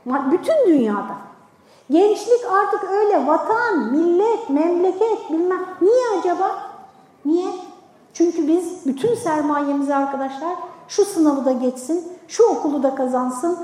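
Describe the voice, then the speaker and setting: High-voiced older woman preaching in echoey hall. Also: expressive, a little slow, darkish tone. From Turkey. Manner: emphatic, repeats key words, rhetorical questions. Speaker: retired preacher. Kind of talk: sermon talk to a women's group. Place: large mosque hall.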